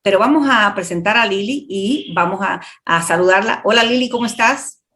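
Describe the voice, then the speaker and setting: A woman's voice: medium pitch, moderate pace, a bit bright. A woman from Cuba with a Cuban accent, hosting a radio show in a conversational talk and interview style.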